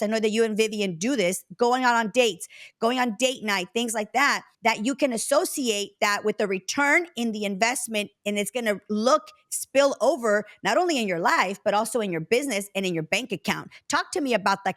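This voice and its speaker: A woman in her forties from Mexico, hosting a casual interview chat and telling stories in a reflective, drawn-out way. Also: fairly high pitch, fairly bright tone. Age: 40s. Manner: reflective, storytelling, drawn-out phrasing with fillers. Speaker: podcast host.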